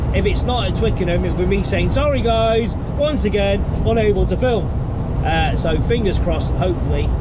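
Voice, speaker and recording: Loud background noise surrounds a man who speaks at a moderate pace. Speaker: lorry driver vlogger. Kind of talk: casual vlog chat. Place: car. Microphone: camera far.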